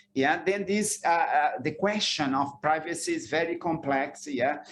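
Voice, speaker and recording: Someone speaks at a moderate pace with a Brazilian Portuguese accent and ordinary pitch variation. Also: man. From northeastern Brazil, Salvador. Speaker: epidemiologist, research centre director. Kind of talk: academic seminar talk. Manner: halting, many fillers and repetitions.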